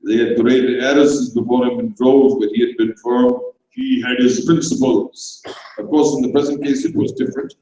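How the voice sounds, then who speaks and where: A man's voice: medium pitch, normal speed. Man narrating from far off in an echoey hall. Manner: expressive storytelling. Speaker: reader. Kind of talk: dramatized reading of a comic short story. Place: festival stage in a hall.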